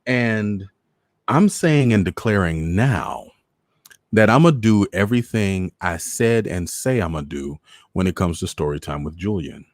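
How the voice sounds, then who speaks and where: With a low-pitched, animated voice at a measured pace, an American man chats casually to his livestream viewers, leaning on repeated phrases for emphasis. He hosts a live online story-reading show, and the audio is clean studio quality without room sound.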